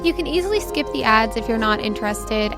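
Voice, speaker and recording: A woman's voice: a little high, lively intonation, fairly quick. Woman game master over prominent music. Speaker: game master and podcast host. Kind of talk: narrating a tabletop game, addressing listeners. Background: music behind the voice.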